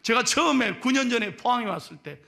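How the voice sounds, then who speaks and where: A middle-aged male pastor with a Gyeongsang accent, preaching a sermon in a joking, lively way and teasing his congregation. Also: extremely high pitch, a little fast, creaky. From Gyeongsang region of Korea. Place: church sanctuary.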